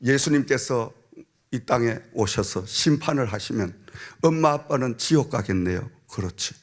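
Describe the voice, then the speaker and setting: A man's voice: medium pitch, animated, normal speed. A man preaching a sermon as senior pastor, telling a story and acting out the voices of its people, often asking "eh?" of the congregation. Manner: storytelling preacher, acts out a child's and a minister's voices, frequent "응?" and "아멘". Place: church sanctuary.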